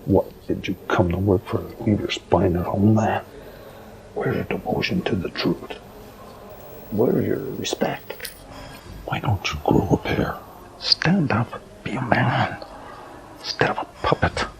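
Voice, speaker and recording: A man's voice: lowish voice, measured pace, pauses often. An actor playing a principled, defiant male reporter in an audio drama, earnest and insistent in his delivery. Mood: indignant. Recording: clearly noisy background, hobby recording.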